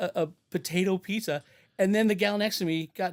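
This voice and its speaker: A man speaks with a Pacific Northwest accent. The sound is dry and close with no echo, in a very clean recording with a silent background. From Washington State (Puyallup). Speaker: photographer. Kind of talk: casual chat.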